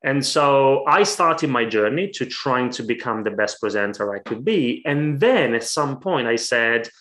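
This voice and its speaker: Italian guy in his 30s, keen storyteller, guest on a podcast, middle-pitched voice. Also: expressive, a little slow, a bit bright. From Italy. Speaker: guest, presentation coach. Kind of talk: interview answers.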